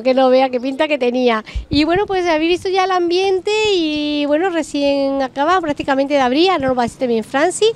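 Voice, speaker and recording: A middle-aged woman, reporting from a restaurant opening on a handheld mic in an upbeat, chatty, gushing way. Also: sits high. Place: seaside terrace and bright restaurant interior.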